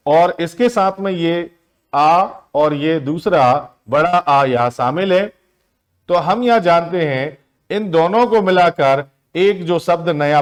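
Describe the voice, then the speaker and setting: A man teaching an exam-prep grammar lesson, often asking his students a question and answering it himself. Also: a little high. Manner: asks the class questions and answers them himself, drawn-out words.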